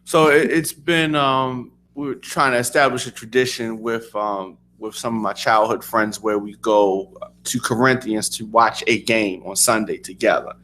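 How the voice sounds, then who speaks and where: A man co-hosts a casual sports talk radio show in an easygoing, unhurried way. He often pauses with ums, and a faint hiss sits under his voice. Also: lowish voice. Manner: relaxed, easygoing, hesitant with ums. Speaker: co-host.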